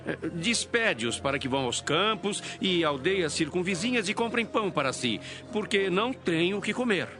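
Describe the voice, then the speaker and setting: A man's voice: high voice, animated, moderate pace. A man playing a concerned disciple in a dramatized audio Bible, earnest and urging. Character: concerned male disciple pleading with his master. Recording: music behind.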